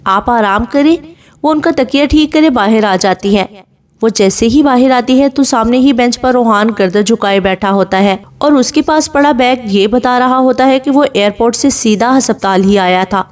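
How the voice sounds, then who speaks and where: A woman narrating a serialized romance novel in an even storytelling manner. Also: on the high side.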